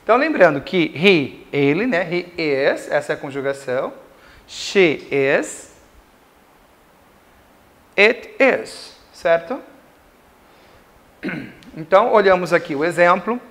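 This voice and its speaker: A Brazilian man teaching English grammar in a recorded school lesson, explaining slowly with repeated examples and checks like "certo?". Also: a little high, sing-song, a bit bright. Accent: Brazilian Portuguese.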